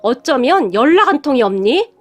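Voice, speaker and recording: A woman's voice: high voice, sing-song, normal speed. A woman reading a sneering greedy aunt. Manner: sneering, taunting. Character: greedy scheming middle-aged aunt. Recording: faint music behind.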